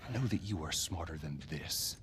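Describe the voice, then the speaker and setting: Hardened smuggler, terse, guarded, game cutscene. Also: male voice, extremely low pitch, expressive, normal speed, fairly bright tone. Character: hardened middle-aged male smuggler, gruff. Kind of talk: video game cutscene acting.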